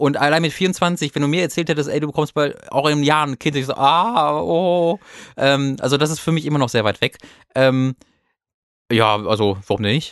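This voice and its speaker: Over a quiet background, a man with an unremarkable speaking voice talks at a fairly high pitch and moderate pace with lively intonation. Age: 20s. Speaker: podcast co-host. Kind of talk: casual chat.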